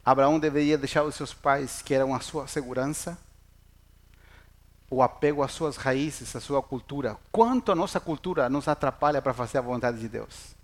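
A man's voice: mid-range voice, moderate pace. A middle-aged man preaching in Portuguese, a pastor who jokes with the congregation and asks them questions. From Chile. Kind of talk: sermon.

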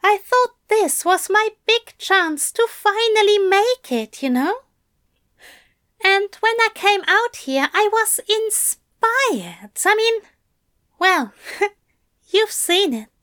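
A woman's voice: extremely high pitch, lively intonation, slow, a bit bright, pitched above the performer's own voice, exaggerated voice. A woman voicing an anxious, earnest male angel who pours out fretful confessions in a raised voice.

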